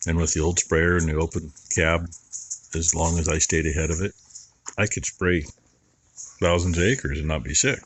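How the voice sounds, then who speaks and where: Very low-voiced man chatting on a farm. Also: steady tone, moderate pace, long pauses, husky. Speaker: farmer vlogger. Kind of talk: casual rambling chat while filming around the farm. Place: outdoors on a farm near a barn.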